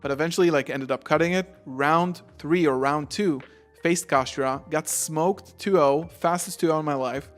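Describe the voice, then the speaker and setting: A man hosting a livestream interview, talking in a relaxed, chatty way full of fillers. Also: a little high, moderate pace, faint music behind. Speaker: host, interviewer.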